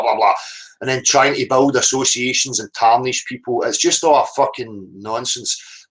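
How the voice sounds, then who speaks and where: A man's voice: mid-range voice, a bit bright, rough recording. Blunt, sweary Scottish man ranting. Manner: impassioned, blunt, heavily sweary; confrontational, insistent, tagging points with "right?". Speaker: livestream host. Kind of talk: unscripted monologue rant.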